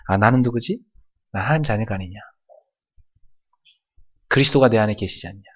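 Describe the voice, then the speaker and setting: A man of middle pitch preaching to his congregation in a church. He keeps asking them to answer back and repeat his lines, and his voice drops low for asides before climbing into loud, ringing cries. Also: dull audio. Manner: emphatic preaching with call-and-response prompts; swings from soft asides to loud exclamations. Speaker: pastor. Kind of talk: sermon. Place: church sanctuary.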